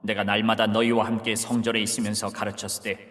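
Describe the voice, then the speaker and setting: An actor in an audio Bible drama playing a calm, solemn grown man who speaks with authority, in a measured, scriptural way. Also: fairly low pitch, big-room sound, natural voice.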